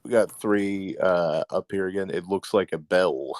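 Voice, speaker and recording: Deep voiced guy hosting a casual chat, wry delivery, no room sound. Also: normal speed, darkish tone, no echo. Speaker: host. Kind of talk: casual comedic commentary.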